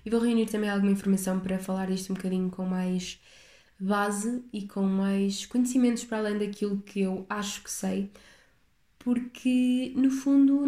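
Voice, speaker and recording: A young woman with a European Portuguese accent talks through her solo podcast in a loose, rambling way, often circling back and restarting her thoughts. Her voice is mellow and soft-edged, and the room around her sounds echoey. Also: mid-range voice. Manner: rambling, reflective, chatty with restarts. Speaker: podcast host. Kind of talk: casual solo podcast chat.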